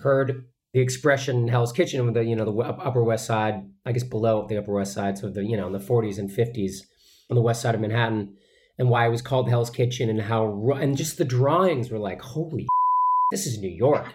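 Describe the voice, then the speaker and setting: Man, from Boston, interview guest, reflective, rambling, mid pitch. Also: brisk. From Boston area, USA. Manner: reflective, rambling, many fillers and restarts. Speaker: voice actor guest. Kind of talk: relaxed storytelling in an interview.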